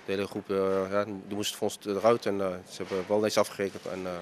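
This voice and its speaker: A restaurant owner in his thirties answers a news interview in his dining room, speaking into a handheld reporter mic in a low, monotone voice at a quick pace. He is hesitant and uses many fillers, and there is a little hiss or hum.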